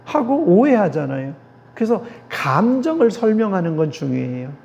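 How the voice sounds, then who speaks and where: A man's voice: high voice, big pitch swings, normal speed, vocal fry. A man teaching about prayer and emotions in an earnest sermon-style lecture, repeating key phrases and acting out short prayers. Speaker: pastor or theology professor. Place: church meeting hall. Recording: dull lo-fi recording with faint noise.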